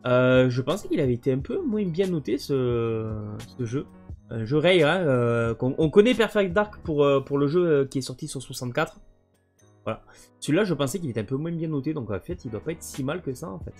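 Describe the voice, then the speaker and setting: A man with a slightly high, expressive, somewhat mellow voice casually shows off his video game collection at a slightly quick pace. He's hesitant, with many fillers and restarts, and faint music plays in the background.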